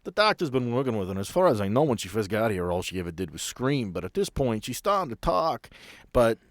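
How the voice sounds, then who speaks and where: A man voicing a gruff, wary sanatorium guard who talks in a folksy, grudging way in a tabletop game. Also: medium pitch, sing-song, quick pace, dry recording, studio quality, lightly acted. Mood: explaining. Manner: folksy, colloquial, grumbling.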